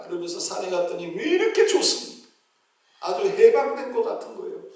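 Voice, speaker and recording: A middle-aged male pastor preaching a sermon, telling a story and acting out the shouts and prayers of its characters. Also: on the high side, vocal fry. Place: church sanctuary. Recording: echoey church hall from a distance.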